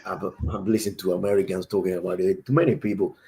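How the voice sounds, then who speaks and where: A man's voice: low voice, steady tone, fast talker, mellow. A man from Cuba with a Cuban Spanish accent, a native Spanish speaker, chatting emphatically and repeating words as he speaks. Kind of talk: casual chat.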